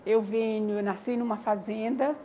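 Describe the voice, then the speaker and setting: A woman's voice: a little high, steady tone, moderate pace, dark tone, slight background noise. Older woman telling her story. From Maranhão, Brazil. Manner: reflective, frequent "né?" and "tá entendendo?" tags. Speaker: community founder. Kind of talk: personal life story interview.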